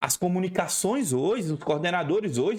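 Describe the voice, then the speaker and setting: High pitch from a man, very wide pitch swings, and a moderate pace. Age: 30s. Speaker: political marketing specialist. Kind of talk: casual interview chat. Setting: studio.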